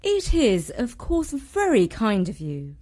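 A man's voice: very high voice, wildly swooping pitch, takes it slowly, darkish tone, pitched above the performer's own voice, full character voice. A man voicing a formidable, haughty upper-class lady in a storybook, with a pompous, emphatic delivery. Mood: polite, firm.

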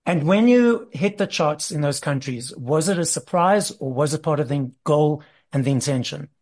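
A man's voice: a little high, animated, normal speed, a little mellow. A man hosting an entertainment interview show, reading a scripted intro and asking questions in an upbeat presenter manner. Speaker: interview host.

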